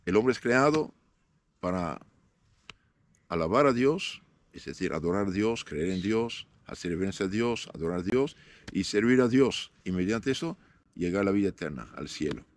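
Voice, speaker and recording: A man in his fifties, born in northern Syria with Aramaic as his first language, answering interview questions as a priest in a measured way, often pausing with fillers. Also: low voice, expressive, no echo. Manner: measured, halting with frequent "eh" fillers and restarts.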